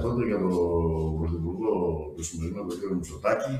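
Audible room echo surrounds a voice moving at a moderate pace. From Greece. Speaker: web TV show host. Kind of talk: political interview. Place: studio.

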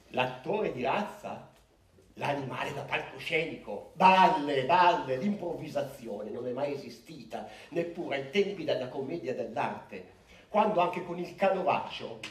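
A man's lively intonation amid audible room echo and light background noise. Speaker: stage actor. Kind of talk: theatrical monologue. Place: stage.

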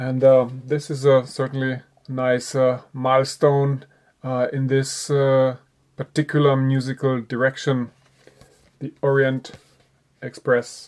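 In a Czech accent, a man speaks at a very slow pace in a monotone, flat voice with long, frequent pauses. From Czech Republic. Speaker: music vlogger and record collector. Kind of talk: casual video monologue reviewing records. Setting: at home. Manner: halting, many filler sounds. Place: home room.

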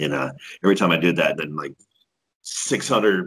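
A man with an American accent at a fairly quick pace against a quiet background. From Texas. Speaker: ring announcer. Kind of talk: casual interview answer. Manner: casual, upbeat. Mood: enthusiastic storytelling. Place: home room.

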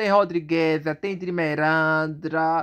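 A woman's bright, sharp tone at a very slow pace against a quiet background. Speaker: orchid seller. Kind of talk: sales pitch. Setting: shipping depot, filming boxes. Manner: repeatedly urges buyers to look and call the number. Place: home room. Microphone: phone near.

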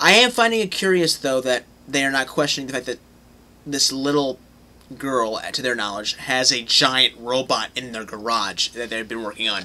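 A man's bright, sharp tone at a moderate pace. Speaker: reaction video creator. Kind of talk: commentary. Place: home room. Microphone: headset.

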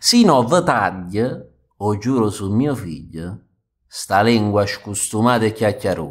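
A man speaks at a medium pitch and a very slow pace on a very clean recording with a silent background. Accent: Neapolitan. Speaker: poetry reader. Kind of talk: poetry reading in Neapolitan verse.

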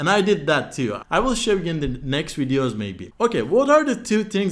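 Against a quiet background, a man speaks at a moderate pace while his pitch swings very widely. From Turkey. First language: Turkish. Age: 20s. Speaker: online business coach and YouTuber. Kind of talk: tutorial. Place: home room. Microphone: webcam.

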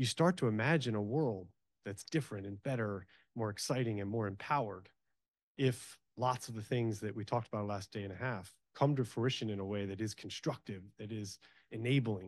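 A man with a fairly low pitch talks at a fairly quick pace with ordinary pitch variation, the sound dry with no echo and light background noise behind him. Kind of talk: public remarks at a workshop. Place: hall. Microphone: handheld.

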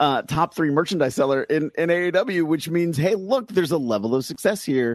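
A man with a fairly high pitch speaks in a normal speaking voice at a moderate pace, with lively intonation and very even loudness, in a dry, close sound with no echo and a quiet background. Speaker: wrestling promoter. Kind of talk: casual wrestling discussion.

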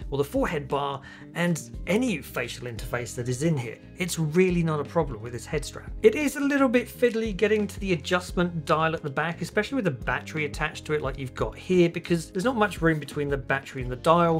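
A man talks at a very fast pace with hardly any pauses. Faint music sits in the background. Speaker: tech reviewer. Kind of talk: product review. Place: home room.

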